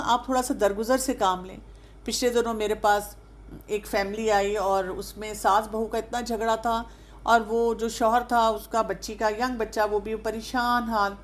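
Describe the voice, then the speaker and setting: A woman with a fairly high voice, a counselor who speaks on aging, gives an earnest advice talk to older listeners. She coaxes them with rhetorical questions and mixes English words into her speech.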